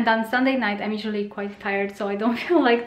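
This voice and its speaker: In a room with audible echo, a woman talks at a very fast pace with ordinary pitch variation. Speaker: home vlogger. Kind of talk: casual vlog chat. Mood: cheerful, friendly. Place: home room. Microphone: phone near.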